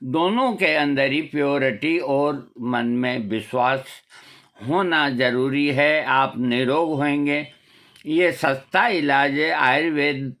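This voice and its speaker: A man's voice: fairly high pitch, takes it slowly, fairly bright tone. An older man giving a preachy, scolding talk with rhetorical questions, as a homeopathy vlogger. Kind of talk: moral talk to camera.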